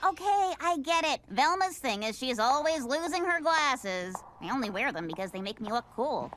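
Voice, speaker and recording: A woman's voice: sits high, big pitch swings, moderate pace. A woman voicing a nerdy, self-absorbed young cartoon sleuth with a dry manner. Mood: dry, irritated. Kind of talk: cartoon comedy voice acting. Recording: music behind the voice.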